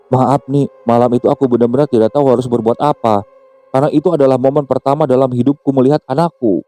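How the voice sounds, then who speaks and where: A man's voice: medium pitch, steady tone, fast talker, warm tone, no room sound, faint music behind, close to an everyday voice. A man voicing a flustered young father who defends himself. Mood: pleading.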